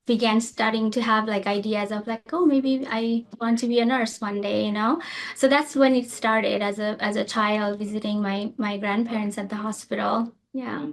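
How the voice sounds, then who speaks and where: A woman's voice: mid-range voice, fairly even intonation, normal speed. A woman from Nepal, a nurse practitioner guest, answering interview questions casually with many ums and likes. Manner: many fillers, um and like, restarts.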